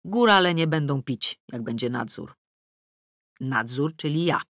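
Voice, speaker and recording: A middle-aged woman reading a novel aloud in the first person, with wry, lively comic timing. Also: extremely low pitch, unhurried, dry recording, clean studio sound. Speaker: audiobook narrator. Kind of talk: first-person audiobook narration. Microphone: close studio mic.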